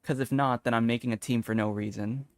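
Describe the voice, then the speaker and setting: Guy on a game stream, rambly thinking out loud, really dry room sound. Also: medium pitch, steady tone, quick pace, clear, resonant tone, dry recording, soft background music. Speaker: live streamer. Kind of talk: casual gaming stream chat.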